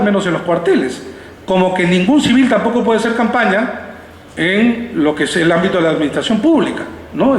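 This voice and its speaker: A man with a Peruvian Spanish accent giving a public lecture, explaining in a didactic way with rhetorical questions and checking in with his listeners. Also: high voice. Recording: echoey reverberant hall, background noise.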